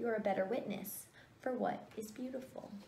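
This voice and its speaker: Her tone animated and warm, a woman speaks with ordinary pitch variation and audible room echo. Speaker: teacher reading a picture book aloud. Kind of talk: dramatic storybook narration with character voices. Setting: video, children's read-aloud. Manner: animated, expressive, warm storytelling; instructional, encouraging toward children. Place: home room. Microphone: phone near.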